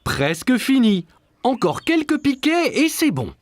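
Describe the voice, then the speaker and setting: A performer voicing a calm, caring father in a French-language children's cartoon, speaking in a reassuring, cautioning way. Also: high voice, measured pace, no room sound, full character voice. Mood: helpful.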